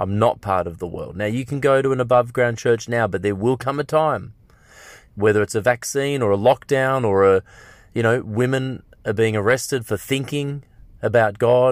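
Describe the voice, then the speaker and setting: A man's medium-pitched voice with an Australian accent, ordinary pitch variation and a moderate pace, on a very clean recording with a silent background. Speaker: pastor and podcast host. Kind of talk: sermon. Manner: forceful.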